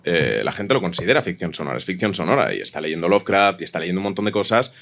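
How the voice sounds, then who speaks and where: Low-voiced, fast-talking man from a podcast panel. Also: animated, creaky, background noise. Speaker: audio fiction podcast creator on a panel. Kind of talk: casual panel discussion. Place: live panel event before an audience venue.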